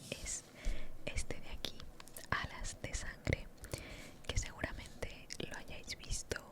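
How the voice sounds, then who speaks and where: Whispered speech comes very slowly, with noticeable noise in the background. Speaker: ASMR creator. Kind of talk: casual talk to camera. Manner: soft-spoken, whispered.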